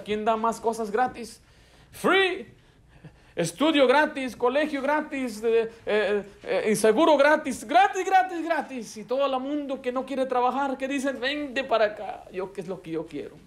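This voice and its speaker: A man preaching a Baptist sermon as pastor, emphatic, repeating key lines and acting out the people in his stories. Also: high-pitched. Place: church sanctuary.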